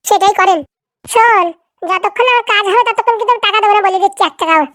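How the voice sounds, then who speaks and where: Put-on voice of a scheming madam, cartoon comedy, very high pitch, very fast, commanding, haggling, impatient. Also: fairly bright tone, no echo, studio quality. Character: bossy, scheming rich madam hiring a kidnapper.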